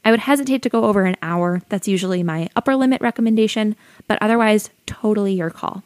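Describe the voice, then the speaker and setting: A young adult woman with a soothing voice, hosting her own podcast and calmly giving friendly advice like a teacher. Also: medium pitch, fast talker. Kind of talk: solo educational podcast talk.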